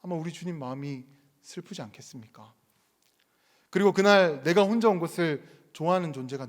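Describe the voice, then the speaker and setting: A man's voice: high voice, long reverb tail. A male pastor preaching a sermon, chatty and storytelling at first, then earnest and urging. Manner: conversational storytelling, rising to earnest exhortation. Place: church sanctuary.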